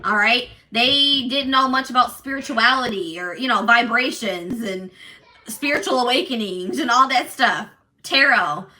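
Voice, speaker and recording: Loud assertive lady doing a casual tarot reading, sharp forceful voice, sounds a good way from the mic, keeps repeating stuff for emphasis. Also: a little high, unhurried, distant mic, rough recording. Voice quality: strong, loud voice. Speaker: tarot reader and channel host.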